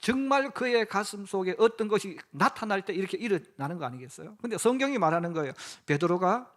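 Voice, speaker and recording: A man's voice: high-pitched, expressive, fairly quick. A middle-aged man preaching a sermon as pastor, acting out quoted lines in dramatic voices.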